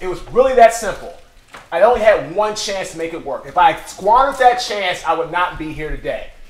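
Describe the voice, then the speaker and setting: There is audible room echo. A man talks at a moderate pace. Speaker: keynote speaker. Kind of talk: motivational sales talk. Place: home room.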